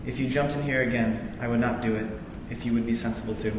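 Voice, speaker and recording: Speaking in a mid-range voice, a young man who is a student veteran reads a passage from a novel aloud, live. After a faltering, filler-heavy opening he settles into steady, earnest reading, recorded in a roomy, echoey hall with noisy, dull lo-fi audio.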